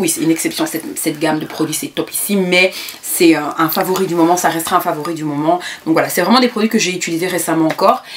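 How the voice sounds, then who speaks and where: A woman speaks at a very fast pace with a fairly low pitch and ordinary pitch variation. Noticeable background noise can be heard. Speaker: beauty vlogger. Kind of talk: product review vlog. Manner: hesitant, many fillers.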